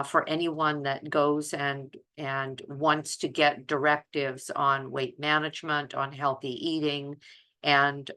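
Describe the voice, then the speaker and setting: A woman's voice: low-pitched, fairly bright tone. A woman speaking informally and earnestly as a health vlogger, giving emphatic commentary. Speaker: health vlogger advocating plant-based eating. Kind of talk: informal commentary on listed quotes.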